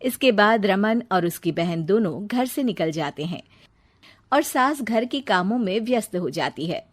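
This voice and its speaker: A woman narrating a cartoon story in a steady, even storytelling manner. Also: medium pitch, measured pace.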